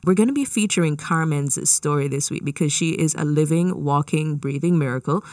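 A woman's voice: deep voice, brisk, darkish tone, dry recording, recorded from a distance. A woman hosting a radio interview in a studio, upbeat and chatty, often affirming her guest. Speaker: radio show host.

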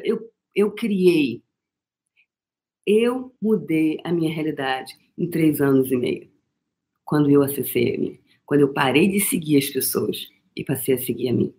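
A middle-aged Brazilian woman coaching a live audience with fervent emphasis. Her voice sits a little low for a woman and keeps calling the listener "my love". Her tone stays casual and outspoken, with a swear word here and there. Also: measured pace, mellow. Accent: Brazilian Portuguese. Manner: emphatic, calls listener "meu amor", mild swearing. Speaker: motivational coach. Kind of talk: live motivational talk.

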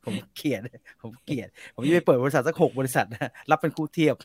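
A man in casual chat, talking bluntly and crudely with quick joking retorts. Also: mid-range voice, a little mellow, slightly rough, dry recording.

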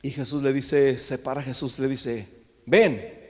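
A man preaching a sermon to his congregation in a church, impassioned, swinging between loud calls and hushed asides. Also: mid-range voice, little pitch movement, moderate pace. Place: church sanctuary. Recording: long church reverb.

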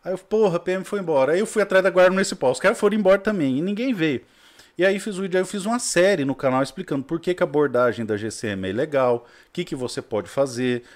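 A man with a Brazilian Portuguese accent, talking in a casual chat as a guest, blunt and swearing freely while telling animated stories. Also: on the high side, fast talker.

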